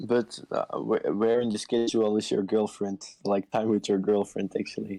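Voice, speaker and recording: A man with a Dutch accent at a moderate pace, in a dry, close sound with no echo. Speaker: dota player being coached. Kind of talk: coaching session. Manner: halting.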